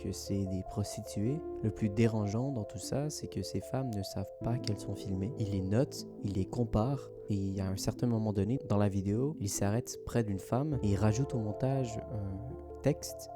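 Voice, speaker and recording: Male YouTube host, low register, scripted mystery narration over a clear music bed. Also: normal speed, few pauses. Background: music under the voice.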